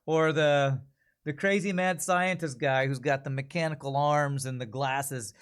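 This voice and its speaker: A man chatting casually as a livestream host, rambling and thinking out loud as he goes. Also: fairly high pitch, steady tone, measured pace, clear, resonant tone.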